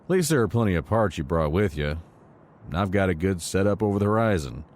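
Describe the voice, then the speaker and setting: Deep-voiced, haunted stranded castaway man. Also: animated, fast talker, a little mellow. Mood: stunned, haunted. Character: long-stranded lonely male castaway, protective, haunted. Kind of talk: audio drama acting.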